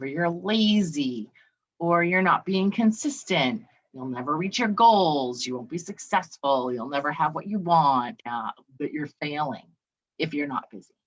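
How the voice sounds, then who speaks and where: Low-voiced woman, casual solo podcast host, chatty and a little profane; slightly dull recording. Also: animated, moderate pace. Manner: chatty, swears, acts out quoted voices. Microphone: video call.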